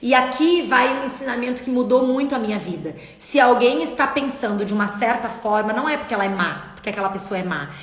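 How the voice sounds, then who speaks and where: A woman's voice: a little high, animated, fast, hardly any pauses. A middle-aged woman, hosting a casual motivational live talk, chatty and talking straight to her audience. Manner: chatty, asks the audience, reads comments aloud. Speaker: live stream host and speech therapist. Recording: echoey room with long reverb.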